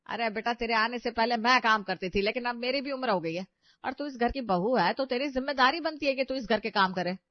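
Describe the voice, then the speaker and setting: A woman's voice: a little high, a little fast, no room sound, lightly acted. A woman voicing an aging, long-suffering mother-in-law in a cartoon story, who pleads and scolds in exasperation. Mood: pleading. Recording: dry, slightly dull audio.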